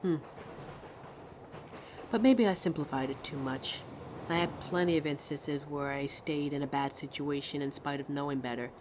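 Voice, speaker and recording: A woman's voice: deep voice, moderate pace, close to an everyday voice. A woman playing a pensive, friendly train passenger in a conversational ASMR roleplay, musing hesitantly as she talks to a stranger. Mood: reflective. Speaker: audio roleplay performer. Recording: steady train ambience noise. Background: train ride sound effects.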